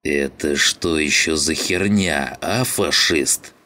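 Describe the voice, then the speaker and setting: Man as a coarse threatening thug, low voice, slow and heavy. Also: bright, forceful tone, full character voice.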